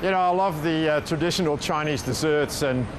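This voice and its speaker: Man, relaxed reflective talk, documentary interview, clear music underneath. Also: a little high, brisk. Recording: music playing under the speech.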